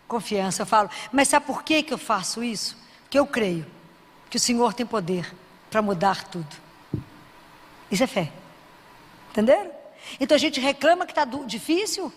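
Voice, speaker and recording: A woman preaching a sermon who quizzes the audience and drops to a soft, low voice for prayers. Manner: asks the audience questions and answers them. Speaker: Christian preacher. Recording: long hall reverb.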